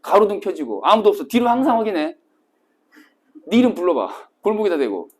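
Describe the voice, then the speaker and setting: A man teaching a cram school Korean class, telling stories vividly and acting out scenes with sudden shouts. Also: high-pitched, very animated, brisk. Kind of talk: classroom lecture to exam retakers.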